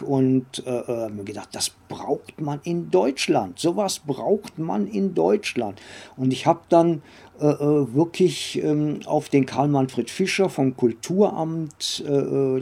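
An older man recounting memories in an interview, speaking haltingly with many drawn-out hesitations and little tag questions. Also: mid-range voice, creaky, warm tone, husky. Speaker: interview guest, former comics editor and publisher.

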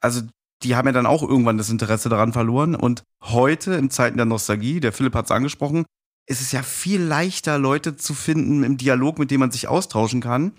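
A man's voice: medium pitch, fairly quick. Nostalgic man in casual podcast talk. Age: adult. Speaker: podcast guest.

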